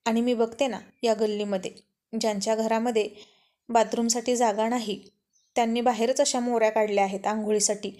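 Headstrong young woman, defiant and teasing, a lady storyteller doing her, a bit high. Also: flat delivery, fairly quick, warm tone, natural voice.

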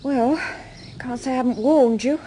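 An actress playing a worried, evasive young nightclub hostess in a radio drama, with a British accent. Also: female voice, sits high, fairly even intonation, moderate pace, warm tone, a little hiss or hum, natural voice. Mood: earnest warning.

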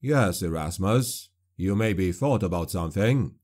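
A man voicing a grim male witch hunter who speaks in a cold, venomous, measured way. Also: sits low, lively intonation, a little mellow, voice pushed down. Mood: stern.

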